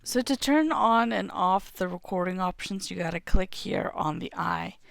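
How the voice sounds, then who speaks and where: A woman in her thirties walks through game settings step by step, her voice low and gravelly from a cough. She talks into a headset mic at home, and the sound is close and dry, with the odd throat clear. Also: moderate pace, no room sound. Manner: steady step-by-step explaining, clears throat now and then. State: has a cough. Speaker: game tutorial host. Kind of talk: screen-recorded game tutorial. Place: home room.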